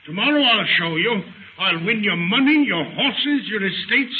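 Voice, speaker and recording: A man's voice: high voice, expressive, normal speed. A man playing a jovial, pompous gambling prince with theatrical exclamations in 1930s radio acting style. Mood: boastful. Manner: theatrical, exclamatory, archly aristocratic. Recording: scratchy, phone-like 1930s radio recording.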